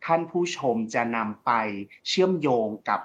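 A man co-hosting a casual talk show, explaining things in a relaxed way with frequent hesitations. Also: on the high side, normal speed, slight background noise. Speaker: co-host. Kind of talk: casual discussion podcast.

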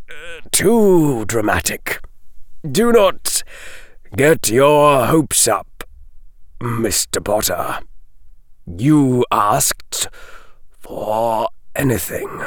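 A cold, cryptic snake of a professor hisses out clipped sentences, dropping small words, as a man voices him. His voice is gravelly and his delivery crawls along with long pauses. The reading is close and dry. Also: mid-range voice, very animated, dry recording, heavily acted. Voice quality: slow, creaky and hissing.

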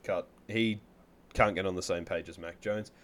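A man co-hosting a podcast in casual chat, rattling off stats and giving quick opinions. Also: low-pitched, fairly even intonation, a bit bright. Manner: upbeat, rattles off stats, apologizes for yawning. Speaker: podcast co-host. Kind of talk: casual fantasy football chat.

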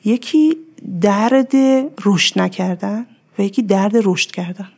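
A woman speaking as a podcast guest, calmly explaining her ideas with everyday examples in a reflective, advising tone. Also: medium pitch, creaky. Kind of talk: reflective advice in conversation.

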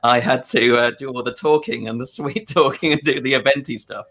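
A man's voice: medium pitch, fairly even intonation, brisk, fairly bright tone. A man chatting casually as a guest, with an informal, self-deprecating manner. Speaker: business development guest. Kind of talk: casual chat.

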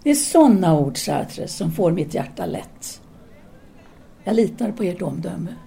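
Actress doing a brooding parisian intellectual woman, soft mellow voice, formal and earnest, radio drama style. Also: lowish voice, animated, gravelly. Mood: tender, yielding. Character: Castor, intellectual Parisian woman, candid, brooding, devoted lover. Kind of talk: audio drama acting, formal literary dialogue.

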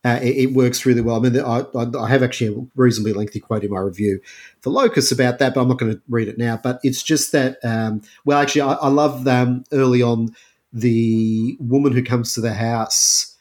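Aussie guy co-host, keen and emphatic about books, average pitch. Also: steady tone, a little fast, darkish tone. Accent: Australian. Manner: enthusiastic, emphatic, laughs. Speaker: podcast co-host, critic. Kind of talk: casual book discussion.

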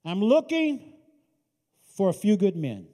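A man playing a calm, commanding male teacher who calls his followers forward in a firm, raised voice. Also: a little high, unhurried. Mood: calling. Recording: reverberant hall.

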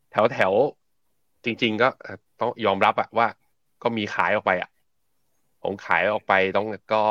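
A low-voiced man talks through stock charts in a relaxed, chatty way. His voice sounds dull and close, with no room around it. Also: no echo. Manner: relaxed, chatty, laughs while reading viewer comments. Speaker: co-host and market analyst. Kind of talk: casual market commentary.

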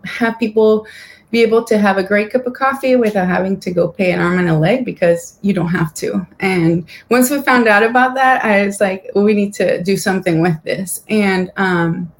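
A woman from Guatemala, a business owner, answers a host's questions in a relaxed, unhurried way. Her voice sits at an ordinary middle pitch, and she pads her answers with easy fillers. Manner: relaxed, with fillers and light laughs. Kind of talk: casual interview answers. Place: church building.

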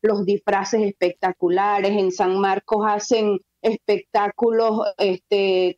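A woman's voice: medium pitch, warm tone, dry recording, muffled recording. A Venezuelan woman, a guest in a casual radio interview, talking with many fillers and restarts.

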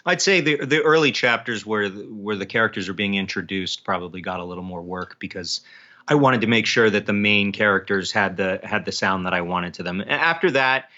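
A man's voice: lowish voice, brisk, pushed and bright, dull audio. A man talking casually as an interview guest, frank and assertive in how he puts things. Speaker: author and podcast guest.

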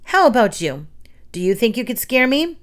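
A woman's voice: on the high side, sing-song, normal speed, pitched above the performer's own voice. A woman voicing a blunt, casual adult woman playing a Halloween witch in a storybook, dry and teasing. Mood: challenging.

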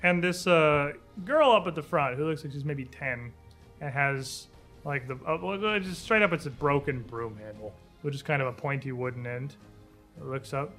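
A man's voice: a little high, normal speed, fairly bright tone. A man working as game master, narrating a tabletop game in a casual, improvised way. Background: music.

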